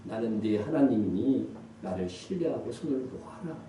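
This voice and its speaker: A pastor voicing God as a firm, mysterious voice giving solemn commands, in a booming church hall. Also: male voice, expressive, moderate pace, mellow, a little hiss or hum, lightly acted. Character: God's stern, mysterious voice from above. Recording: echoey church hall from far off.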